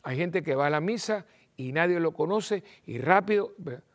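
A man's voice: fairly high pitch, expressive, moderate pace. A man, a Catholic priest hosting a televised sermon, who acts out little dialogues and repeats phrases for emphasis.

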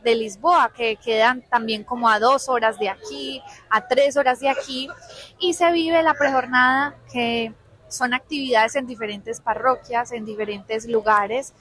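A woman with a slightly high voice reports live from the field. She speaks conversationally, with frequent fillers and restarts. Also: steady tone, a little slow, a bit bright, dry recording, rough recording.

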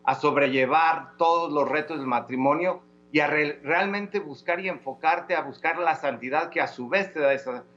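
A man answering interview questions about his faith, measured and hesitant, with restarts. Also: a little high, fairly bright tone, dull audio. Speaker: guest giving testimony.

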